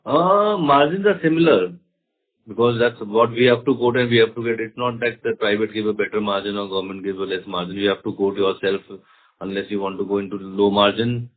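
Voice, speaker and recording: Indian male executive, slightly deep voice, fielding investor questions on a narrow telephone connection. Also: fairly quick. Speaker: company executive answering investors. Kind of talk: earnings call answers. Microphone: phone conference call. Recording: narrow muffled phone line.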